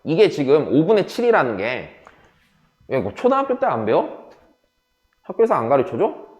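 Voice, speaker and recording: Lively male math teacher in an echoey room. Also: fairly high pitch, moderate pace, dull audio. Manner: mixes casual and polite speech, checks understanding often. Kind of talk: classroom lecture.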